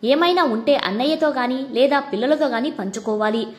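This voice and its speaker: Storybook friend, frank and probing, caring underneath, read by a woman in a fairly high voice. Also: a little fast, close to an everyday voice. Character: caring close woman friend, blunt and teasing.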